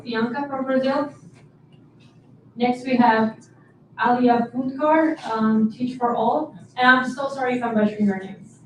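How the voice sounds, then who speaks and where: Slow-talking woman moderator announcing speakers. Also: fairly high pitch, a little hiss or hum. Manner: apologetic, laughs at name slips. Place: conference hall. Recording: echoey hall, distant mic.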